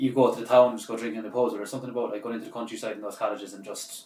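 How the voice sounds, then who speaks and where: Over noticeable background noise, a man at a medium pitch speaks very fast. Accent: Irish. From Ireland. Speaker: podcast host. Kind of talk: casual interview chat.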